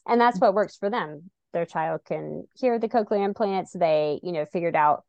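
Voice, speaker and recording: A woman's voice: fairly low pitch, moderate pace, a little mellow, no room sound, muffled recording. Chatty woman with a dry, close sound. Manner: chatty, lots of "like" and "you know". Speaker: guest parent. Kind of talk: casual conversation.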